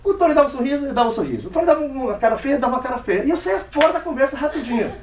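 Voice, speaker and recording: A man with a fairly high voice tells a lively story as a speech, and his pitch swings widely as he acts out each exchange. He is recorded from a distance in an echoey room, with faint room noise behind him. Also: rapid-fire. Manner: animated, acts out dialogue in varied voices. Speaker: speaker giving a club speech. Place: meeting room.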